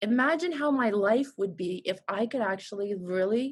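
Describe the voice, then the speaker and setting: A woman with a fairly high, somewhat breathy voice speaks at a fairly slow pace with lively intonation. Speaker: empowerment coach. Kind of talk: online course lecture. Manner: animated.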